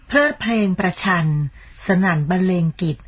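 Have her co-host the radio talk in a mid-pitched, husky voice. Keep her polite and chatty with her partner, and read the titles smoothly. The sound is a dull, lo-fi radio recording. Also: moderate pace.

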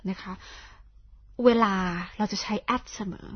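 A woman English teacher explaining phrases on a radio lesson, patiently repeating each example slowly. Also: muffled recording.

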